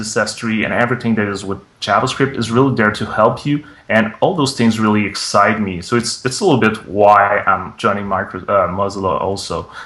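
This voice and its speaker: Speaking with a French accent, a man uses a fairly low pitch, fairly even intonation and a fairly quick pace. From Quebec. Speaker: technical evangelist. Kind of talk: interview. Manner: halting, with fillers and repetitions.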